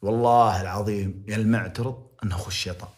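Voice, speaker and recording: A man's voice: lowish voice, fairly even intonation, very fast. A young man with a Saudi accent giving impassioned, moralizing livestream commentary, repeating phrases to press his point. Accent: Saudi Arabic.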